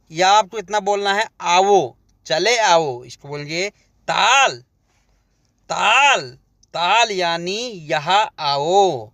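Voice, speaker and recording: A man's voice: high voice, a bit bright, dry recording. A man teaching a language lesson, saying each phrase and then explaining it word by word.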